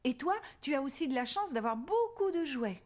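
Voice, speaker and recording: A woman playing a gentle, encouraging young mother in a children's cartoon, speaking patiently and expressively as if to a small child. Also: high-pitched, lively intonation, normal speed. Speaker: voice actress. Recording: music behind the voice.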